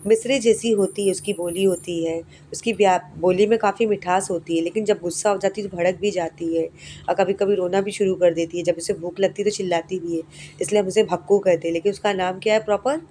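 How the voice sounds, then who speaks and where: Mellow-voiced woman teaching young children. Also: medium pitch, steady tone, a little hiss or hum. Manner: asks the class questions and answers them herself; recites the poem slowly in a sing-song way. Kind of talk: explaining a poem to young children.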